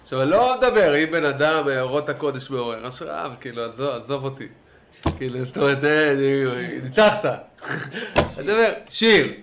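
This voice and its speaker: A man teaching a religious class in a lively lecture style, urging his listeners on and asking them questions. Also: medium pitch, background noise. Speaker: Torah teacher.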